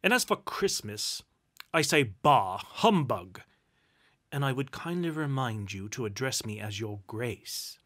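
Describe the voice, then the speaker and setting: A man's voice: mid-range voice, lively intonation, a little slow, a bit bright. A man voicing a stern, grumpy, miserly Duke from a storybook, pompous and cutting in manner. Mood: irritated, haughty.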